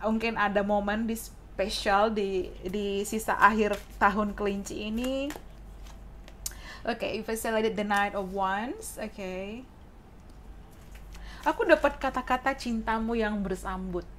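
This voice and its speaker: A young woman with a hoarse voice giving a casual tarot reading, chatty and often saying "oke". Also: medium pitch, a bit bright, slight background noise. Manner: chatty, mixes English phrases, says "oke" often. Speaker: tarot reader. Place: indoors at a wooden table.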